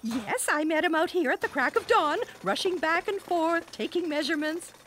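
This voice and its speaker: A woman's voice: very high-pitched, animated, normal speed, a bit bright. A woman voicing a sweet, trusting, scatterbrained little old lady in a cartoon, genteel and cheerfully oblivious, with a put-on elderly voice. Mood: cheerfully admiring. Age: older. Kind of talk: cartoon voice acting.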